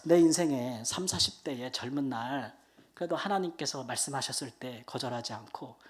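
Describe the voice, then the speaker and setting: Missionary in their 50s sharing a heartfelt testimony at a church prayer meeting, chatty and emotional, swinging loud to soft. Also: medium pitch, moderate pace.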